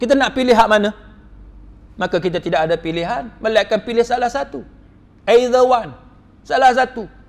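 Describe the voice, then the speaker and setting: A man talks with lively intonation. His pitch is extremely high. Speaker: Islamic preacher and lawyer; Islamic preacher, lawyer. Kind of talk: religious lecture. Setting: mosque. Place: church. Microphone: podium.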